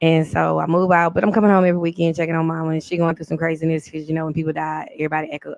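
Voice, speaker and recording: With a Texas accent, a woman speaks very fast in a fairly low, monotone voice, barely pausing at all. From Texas, Houston. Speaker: livestreamer and teacher. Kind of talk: casual chat.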